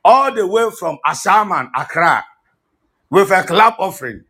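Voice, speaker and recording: A man's voice: high-pitched, lively intonation, a little slow, sharp tone, slightly rough. A man introducing a guest preacher, fervent and exclaiming hallelujah often. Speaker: host pastor. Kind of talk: sermon introduction.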